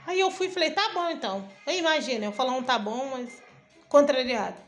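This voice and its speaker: Brisk and lively in intonation, this high-pitched woman tells her testimony as a missionary and preacher while faint music plays behind her. It comes out chatty, events strung together, with her acting out each exchange.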